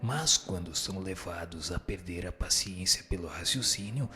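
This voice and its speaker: A man's voice: sits low, normal speed, pushed and bright. A Brazilian man playing a wise, solemn spirit teacher in a radio drama, speaking in formal, didactic and rhetorical phrases. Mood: didactic, patient. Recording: music behind the voice.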